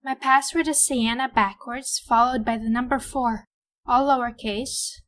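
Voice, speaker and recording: Actress as young woman, high voice, plain and precise, audio drama. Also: steady tone, unhurried, fairly bright tone. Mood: earnest. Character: young woman dictating details amid danger.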